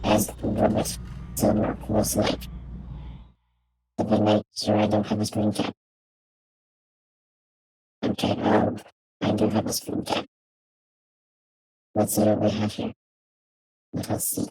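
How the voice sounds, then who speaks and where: A flat, slow robot. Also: female voice, very deep voice, slightly rough, no echo, voice pushed down, full character voice, poor audio. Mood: solemn. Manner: stiff, formal robotic delivery. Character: solemn self-important robot bent on fighting shadows. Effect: robot voice changer filter. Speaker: game streamer.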